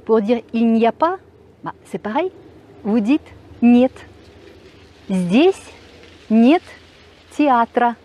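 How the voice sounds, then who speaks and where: A Russian woman with a Russian accent teaching a language lesson, patiently repeating words slowly for learners. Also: on the high side, animated, warm tone, highs cut off.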